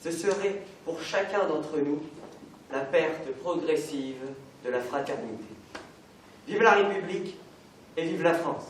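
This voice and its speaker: A man's voice: on the high side, lightly acted. A young man playing a male head of state giving a solemn, formal address in a school stage play. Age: teenage. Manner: slow, solemn, oratorical. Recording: echoey hall from far off, faint noise.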